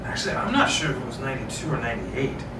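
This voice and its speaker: A man's voice: medium pitch, very animated, racing. A man reading a screenplay aloud and chatting casually, often repeating himself in a rambling way. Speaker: solo script reader and host. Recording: roomy, distant mic, clearly noisy.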